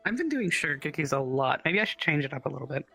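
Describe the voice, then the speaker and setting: A roleplay player acting as the town cook, thinking aloud in a hesitant, musing way with many pauses. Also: medium pitch, very animated, gravelly, bright, forceful tone, slightly rough, faint music behind. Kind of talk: casual in-character roleplay chat.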